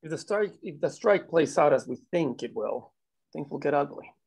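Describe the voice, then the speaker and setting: A man's voice: a little high, expressive, normal speed, creaky, darkish tone, breathy edge, voice pushed up, full character voice. A man reading the part of a wary man among strike planners at a table read. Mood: tense.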